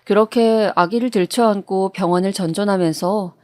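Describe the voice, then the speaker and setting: A woman reading a first-person true-life story in a steady, even storytelling manner, recorded on a close studio mic. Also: medium pitch, moderate pace, no room sound.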